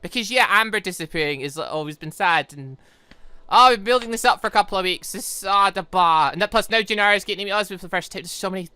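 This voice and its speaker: A man giving casual, excitable, rambling commentary on a game, thinking aloud as he goes. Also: high-pitched, fast talker, clear, resonant tone, no room sound. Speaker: gaming channel host. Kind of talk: casual gameplay commentary, reading visual novel dialogue aloud.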